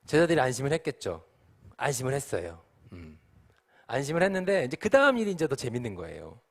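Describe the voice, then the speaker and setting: A man preaching to a youth group as pastor, acting out the disciples' panic in quick, lively asides. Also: mid-range voice.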